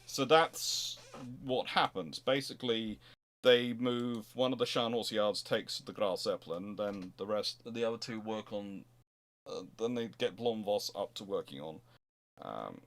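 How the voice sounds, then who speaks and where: A man hosting an unscripted history talk, answering questions in a rambling, halting way as he thinks aloud. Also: on the low side. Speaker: host answering audience questions.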